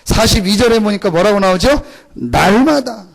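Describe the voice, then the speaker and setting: A man's voice: sits high, animated, normal speed, vocal fry. A man preaching a Sunday sermon as pastor, firing questions at the congregation and answering them himself. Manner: call-and-response questions to the congregation; acts out short exclamations in a mock rural voice. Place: church sanctuary.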